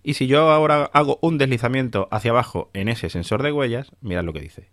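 A man's voice: mid-range voice, fairly quick, a bit bright, dry recording, studio quality. A man from hosting a podcast, casually demonstrating a phone with chatty enthusiasm. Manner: chatty, many fillers and restarts, enthusiastic. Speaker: podcast host. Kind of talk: casual tech demo.

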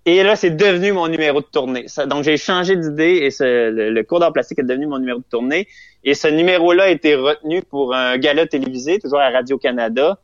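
A fast-talking young man with a Québécois French accent and a fairly high pitch appears as a comedian guest in a casual interview. He rambles, laughs at himself, and keeps restarting with lots of fillers. The slightly dull, lo-fi recording has no room sound.

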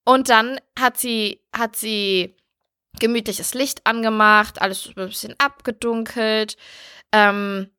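Young woman, casual chat, blunt and candid, bright forceful tone, fairly high voice. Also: steady tone, slow pace, clean tone. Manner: candid and blunt, swears freely. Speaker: podcast host. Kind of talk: casual chat, telling a birth story.

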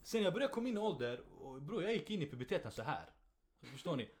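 A young man hosting a podcast, telling stories in casual chat and laughing often. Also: fairly high pitch. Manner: animated storyteller, laughs often. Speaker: podcast host.

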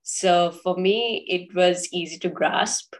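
A woman's voice: on the low side, takes it slowly. A woman from Sri Lanka, a podcast guest, talking in a casual and hesitant way with many fillers and restarts. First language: English. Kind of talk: casual interview talk.

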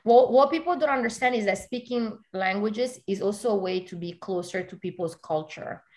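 A woman's voice: medium pitch, moderate pace, darkish tone, slight background noise. A woman from Italy, a guest in an interview, talking in an earnest, casual way and filling her speech with "you know" and "like".

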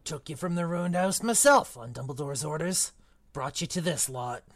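A man plays a big, blunt, kindly giant of a groundskeeper with rough folksy grammar, for a storybook reading. The voice sits a touch high for a man. It is recorded close and dry, with no room sound. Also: normal speed, fairly bright tone, dry recording. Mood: earnest. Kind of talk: audiobook character reading.

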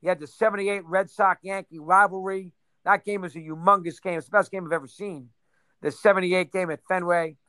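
A man in his sixties, reminiscing in a casual interview, rambling and rattling off names in quick bursts. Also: high voice, steady tone, sharp tone, clean tone, dry recording. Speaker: interview guest.

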